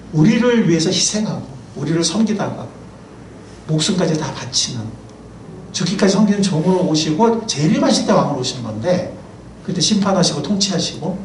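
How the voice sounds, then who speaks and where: Animated preaching man, roomy church sound. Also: fairly high pitch, slight background noise. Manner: asks the congregation questions; lively, chatty preaching with asides. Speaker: pastor and professor. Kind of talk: sermon. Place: church sanctuary. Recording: roomy, distant mic, faint ambience.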